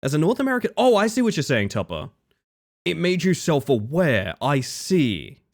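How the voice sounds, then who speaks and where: A man's voice: a little high, very animated, normal speed. A man with an Australian accent, chatting casually with his live-stream audience while gaming, reading chat aloud and swearing now and then.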